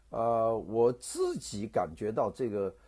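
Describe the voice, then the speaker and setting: Against a quiet background, a man with a dark, mellow tone and a somewhat breathy voice swings very widely in pitch. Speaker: news commentator. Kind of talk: solo news commentary monologue. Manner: halting, frequent filler sounds. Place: home room. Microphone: earbuds.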